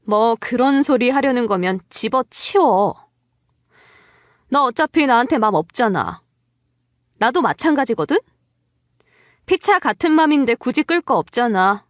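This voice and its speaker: A woman's voice: on the high side, sing-song, measured pace, long pauses, no echo, clean studio sound. A woman voicing a wronged young wife in a story, cold, curt and sarcastic. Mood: cold, scornful.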